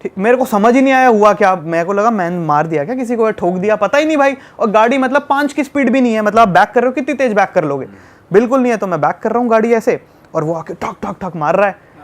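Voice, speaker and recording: High-voiced young man telling a story. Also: fast talker. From Delhi, India. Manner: animated storyteller, acts out shouting scenes. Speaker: travel YouTuber guest. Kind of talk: casual podcast storytelling.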